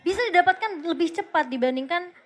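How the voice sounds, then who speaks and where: A woman's voice: very high-pitched, quick pace. A woman with an Indonesian accent giving chatty, explanatory esports commentary on plays, mixing in English game terms. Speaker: esports caster, analyst. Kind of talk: esports caster commentary, analysing plays beside a co-caster. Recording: clear noise behind the commentary.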